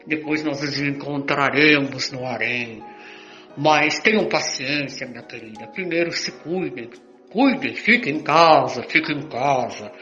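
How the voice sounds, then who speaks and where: A bright-voiced rich ladies' man acted by a man sweet-talks his lovers in a radio soap. He is coaxing and boastful, in a dull lo-fi recording with music behind. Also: fairly high pitch. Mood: pleading, boastful. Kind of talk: amateur improvised radio soap opera.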